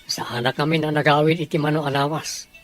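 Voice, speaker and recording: A man acting as a hurt, proud young man in an amateur audio drama, with a husky voice. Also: a little high, steady tone, fairly quick, faint music behind, natural voice. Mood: bitter, hurt.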